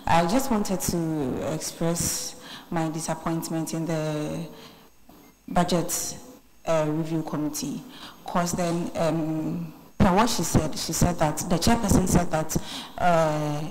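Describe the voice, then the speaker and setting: A woman's voice: low-pitched, flat delivery, measured pace, darkish tone, a little hiss or hum, poor audio. A young woman with a Ghanaian English accent, speaking as deputy speaker in a student parliament, hesitant with many fillers. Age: young adult. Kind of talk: student parliament debate speech. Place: conference hall.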